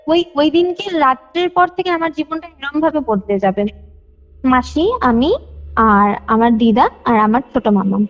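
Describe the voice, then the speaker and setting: A young woman telling a personal story in detail on a phone call, repeating phrases for emphasis. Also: sits high. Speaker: caller sharing a personal ghost experience. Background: faint music.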